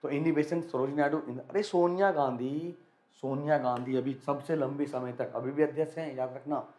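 A young male teacher running a live quiz lesson, energetic and repetitive, urging students to answer quickly. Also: medium pitch, echoey room. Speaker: online exam-prep teacher.

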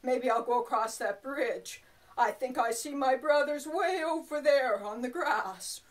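A woman voicing a big, confident male billy goat in a puppet show, firm and drawn-out, with bleats. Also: sits high, recorded from a distance. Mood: musing, bold.

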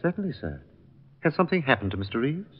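Deferential male butler, formal, lively intonation, reverberant vintage radio drama. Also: medium pitch, fast talker, breathy edge. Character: polite, deferential long-serving male butler. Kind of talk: 1940s-50s radio drama acting. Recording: dull old radio recording, reverberant.

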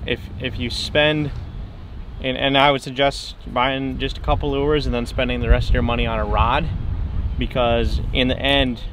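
Young male guide, mid-pitched, casual outdoor interview on a boat, faint background noise. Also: flat delivery, normal speed, a bit bright. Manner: explanatory, many fillers and restarts. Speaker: fishing guide. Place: fishing boat on a lake, outdoors.

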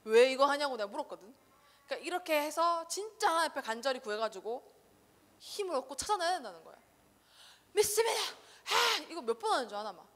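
Animated woman preaching to children in reverberant church. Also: high voice, fast talker. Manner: animated, quizzes listeners with rhetorical questions. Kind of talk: casual sermon to children. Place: church sanctuary. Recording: long reverb of a church hall.

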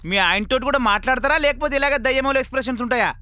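A man's voice: very high voice, rapid-fire, sharp tone, slight background noise. An actor playing a desperate, pushy real estate salesman in a comic film, who wheedles and pleads with a customer and rants in asides. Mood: pleading.

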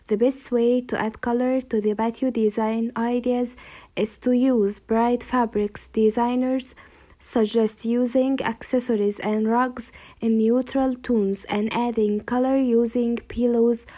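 Slow, flat-toned female narrator. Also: on the high side. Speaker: channel narrator. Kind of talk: scripted voice-over narration. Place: voice-over over slideshow.

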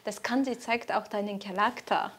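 A young woman from Japan with a Japanese accent, a teacher explaining casually in careful, halting phrases. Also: medium pitch, fairly even intonation, heavy background noise. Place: indoor Japanese-style room.

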